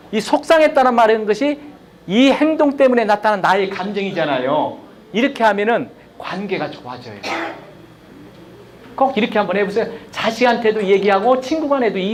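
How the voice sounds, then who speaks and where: A man giving a live lecture on communication, asking the audience questions and acting out example sentences. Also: sits high. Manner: lively, questions the audience, acts out example lines.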